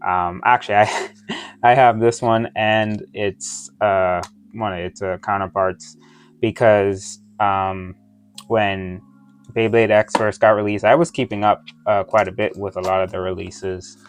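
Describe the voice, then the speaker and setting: A man wearing dental retainers that give him a slight lisp, chatting casually through an unboxing review in a halting, rambling way. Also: on the low side, fairly even intonation. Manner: halting, rambling, often losing his thread. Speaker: toy review vlogger. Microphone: close microphone within his reach.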